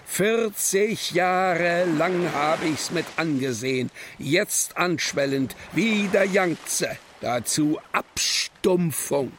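With faint noise around it, a grave poet declaiming bitter, reflective verse. The voice is fairly high for a man and extremely slow, halting on weighty pauses. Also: animated, fairly bright tone, full character voice. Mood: bitter, weary. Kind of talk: poetic recitation. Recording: faint background noise and ambience.

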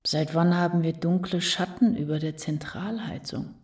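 A woman's voice: on the low side, fairly even intonation, normal speed, darkish tone, recorded from a distance, lightly acted. An actress playing a fraught, needy woman writer in a literary radio play, insistent, brooding and argumentative. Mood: brooding, uneasy.

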